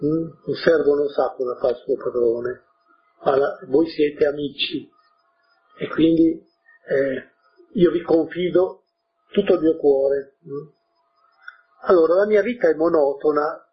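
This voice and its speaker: A man's voice: on the high side, steady tone, takes it slowly, long pauses, highs cut off. A male preacher giving a sermon, reading from a storybook and explaining it, often adding "eh?" and "no?". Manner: explains warmly, tags with "eh?" and "no?". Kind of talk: sermon with a read-aloud storybook.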